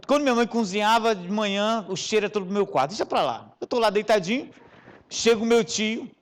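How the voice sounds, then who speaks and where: A man preaching as bishop, telling funny personal stories, with sudden loud bursts and hushed asides and questions thrown to the congregation. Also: a little high. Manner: animated storyteller, swinging between loud bursts and hushed asides; addresses the congregation directly with rhetorical questions. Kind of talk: sermon with humorous personal anecdotes.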